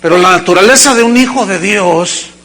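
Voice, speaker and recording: A male pastor delivering a sermon to a congregation, with dramatic acted quotes and sudden shouts. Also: sits high, normal speed. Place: church service before a congregation.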